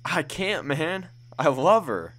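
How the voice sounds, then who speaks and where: A man voicing a scared young man who pleads and whimpers in a high, strained voice. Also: big pitch swings, takes it slowly, a bit bright, full character voice.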